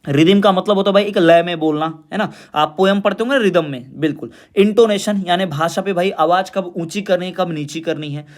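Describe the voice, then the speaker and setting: A man with a high voice teaching an exam revision class. He asks the students questions and answers them himself. He slows right down to read definitions word by word. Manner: explains in Hindi, reads definitions slowly in English.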